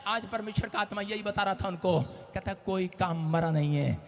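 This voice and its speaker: High-pitched shouting preacher in a hall. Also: male voice, normal speed. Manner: shouting, dramatic storytelling. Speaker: pastor. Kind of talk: sermon. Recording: long hall reverb.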